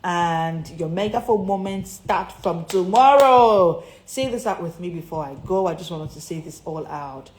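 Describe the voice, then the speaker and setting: A woman with a Nigerian accent speaks in an echoey room with faint noise behind her. She coaches her online followers in an emphatic, preacherly way, leaning on repeated phrases. Her voice sits slightly low for a woman. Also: animated, normal speed, few pauses, darkish tone. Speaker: confidence and public speaking coach.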